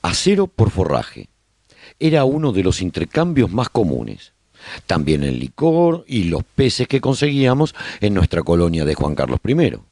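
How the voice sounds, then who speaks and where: A male survivor recounting colony life in a radio drama. His voice is very low and gravelly, yet the melody moves expressively through each measured phrase. The tone is that of a reflective chronicler. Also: a little mellow, no room sound, exaggerated voice. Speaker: narrator of a radio serial. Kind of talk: scripted first-person narration, radio drama.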